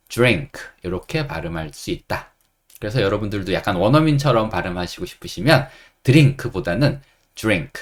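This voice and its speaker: A lower-voiced man teaching beginner English with a Korean accent, patiently walking through each step. His voice rises and falls in a lively way as he slowly models English phrases for learners to repeat. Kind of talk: online English lesson.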